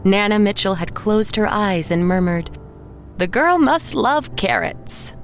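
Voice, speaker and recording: An actress playing a wistful, uneasy woman artist who narrates her own story in a measured, reflective audio drama style. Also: mid-range voice, expressive, gravelly. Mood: wistful, bitter. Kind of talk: first-person scripted audio drama narration. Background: music behind the voice.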